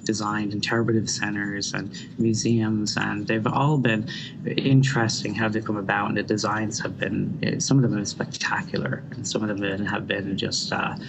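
A man's voice: lowish voice, flat delivery, moderate pace, creaky. A middle-aged man with a Dublin accent who is an architect, talking in a reflective, rambling way with many fillers and restarts. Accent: Irish, Dublin. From Ireland. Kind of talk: casual interview. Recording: loud background noise.

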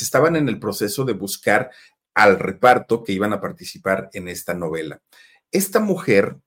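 Chatty Mexican man, low voice. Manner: chatty, addresses listeners directly, many fillers. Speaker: storytelling host. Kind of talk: casual gossip storytelling.

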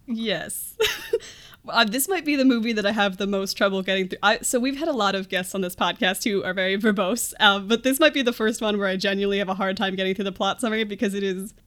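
A woman's voice: medium pitch, fast talker, a bit bright. A woman co-hosting a podcast in a casual film recap, often breaking into giggles as she talks. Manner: giggly, breaks into laughter while talking. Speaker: podcast co-host.

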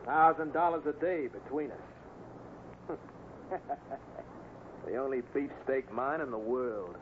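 A man playing a rough, cagey, greedy cattle-rustler boss in an old radio Western. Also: medium pitch, slow pace, natural voice. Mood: gloating. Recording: noisy, tinny old radio recording.

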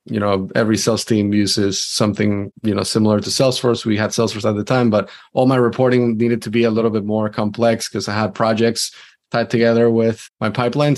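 A man from Venezuela, a sales leader, talking casually as an interview guest with frequent restarts. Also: on the low side.

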